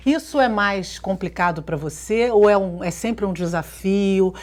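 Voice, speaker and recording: A woman's voice: medium pitch, unhurried, darkish tone. A woman with a Brazilian accent hosting a TV interview, prompting her guest with supportive, affirming remarks. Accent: Brazilian Portuguese. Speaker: TV interviewer host. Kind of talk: TV interview questions.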